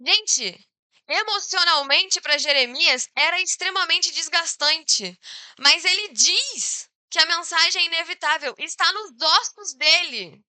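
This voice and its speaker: A young adult woman with a Brazilian Portuguese accent preaching a sermon in an animated, conversational way. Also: extremely high pitch, measured pace, no echo.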